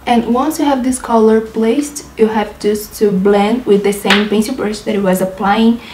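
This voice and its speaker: A woman's voice: medium pitch, fairly even intonation, normal speed, reverberant, over music, low-quality recording. A young woman from Brazil with a Brazilian Portuguese accent, chatting through a makeup tutorial in her apartment and describing each step while laughing often. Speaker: beauty vlogger. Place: apartment in a big city.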